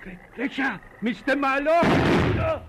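High-pitched, menacing radio villain. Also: male voice, animated, takes it slowly, heavily acted. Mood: cold, threatening. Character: cold, menacing male villain with a gun. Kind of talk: 1940s radio drama acting. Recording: noisy old radio recording.

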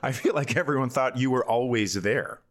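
A man's voice: medium pitch, normal speed. A man co-hosting a podcast in a casual, comedic chatting style. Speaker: podcast co-host.

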